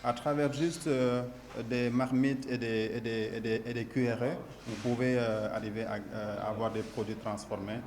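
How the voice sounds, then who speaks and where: Male interpreter, hesitant delivery, mid pitch, noisy background. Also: fairly even intonation, moderate pace, a little mellow. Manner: hesitant, many fillers. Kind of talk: live interpreting.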